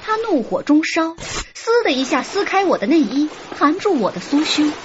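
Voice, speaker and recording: High, lively woman narrating a romance. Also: normal speed, background noise. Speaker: audiobook narrator. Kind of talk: first-person romance novel narration. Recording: slightly dull audio with soft music.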